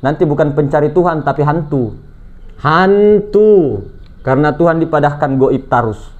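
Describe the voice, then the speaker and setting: A man giving a relaxed, joking sermon as a religious teacher, repeating key terms for emphasis. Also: a little high, fairly quick. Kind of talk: casual sermon on Sufism. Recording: dull lo-fi recording.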